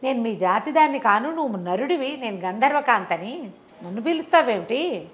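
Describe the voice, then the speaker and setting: A woman storyteller voicing an indignant celestial nymph who scolds a mortal in a sharp, commanding manner. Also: on the high side, animated, moderate pace, natural voice. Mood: indignant, scolding.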